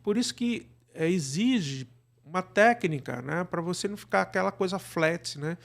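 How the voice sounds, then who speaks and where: Higher-pitched, creaky-voiced Brazilian man. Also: expressive, moderate pace. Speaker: interview guest, radio drama director. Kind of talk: conversational interview, explaining.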